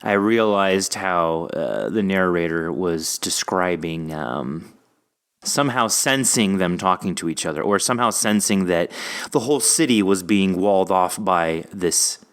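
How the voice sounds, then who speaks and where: A man's voice: low-pitched, animated, a little slow, a bit bright, clear, resonant tone. A man hosting a casual interview, talking in an encouraging, reflective and wordy way. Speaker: podcast host interviewing a writer.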